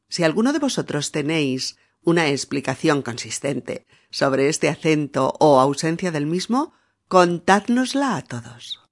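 A woman from Spain with a Peninsular Spanish accent, teaching a language lesson patiently and checking in with soft "mm?" prompts. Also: low-pitched.

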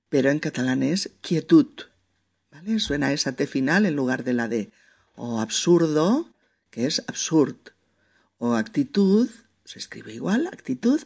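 A teacher giving a spoken language lesson, repeating each example word with care and often checking in with the listener. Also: medium pitch. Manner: repeats words slowly to show pronunciation.

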